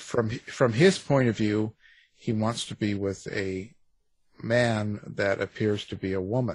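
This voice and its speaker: A man's fairly low voice with an American accent, very slow pace and fairly even intonation, against a quiet background. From Seattle, US Pacific Northwest. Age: 60s. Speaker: radio host. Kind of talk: interview.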